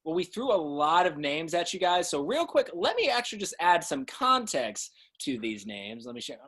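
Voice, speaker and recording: A man's voice: high-pitched, very animated, normal speed, a bit bright. A man in his thirties hosting a casual interview, moving things along conversationally. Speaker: interview host. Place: indoor room, video call.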